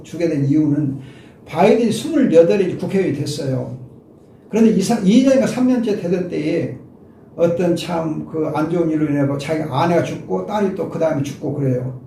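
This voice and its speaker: Older male pastor, high mellow voice, emphatic expository preaching, echoey room, set back from the mic. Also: distant mic, slight background noise. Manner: emphatic preaching, addresses listeners directly. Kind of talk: expository sermon.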